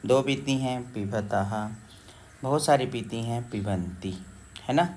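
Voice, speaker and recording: A man's voice: mid-range voice, a little mellow, a little hiss or hum. Patient man teaching a class lesson. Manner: patient, repeats words slowly with check-ins. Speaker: Sanskrit teacher. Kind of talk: explaining a school textbook lesson.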